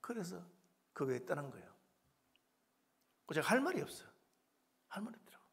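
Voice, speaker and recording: A middle-aged male pastor, preaching a revival sermon and telling stories, swinging from loud to hushed. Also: fairly high pitch, huge pitch swings, fairly quick, slightly rough.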